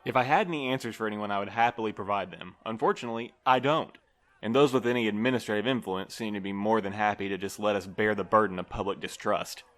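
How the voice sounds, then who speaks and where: A man's voice: on the low side, fast, fairly bright tone, close to an everyday voice. A man playing a harried, earnest station manager in an audio drama, formal and wordy in his delivery. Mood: frustrated, earnest.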